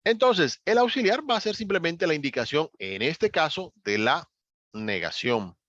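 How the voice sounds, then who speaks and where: A man's voice: fairly high pitch, lively intonation, normal speed, fairly bright tone, no room sound. A man teaching English grammar in an online class, explaining patiently step by step and lifting his voice on key words. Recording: dull, slightly lo-fi dry recording.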